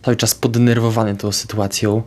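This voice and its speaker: Lower-voiced man, halting player. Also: flat delivery, a little mellow. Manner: halting, describes his actions in first person. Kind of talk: first-person roleplay in a tabletop game.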